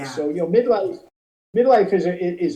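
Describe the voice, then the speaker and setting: A man's high-pitched voice, dark and mellow in tone, with ordinary pitch variation. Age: 60s. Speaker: powerlifter and podcaster. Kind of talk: interview answer. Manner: casual, enthusiastic.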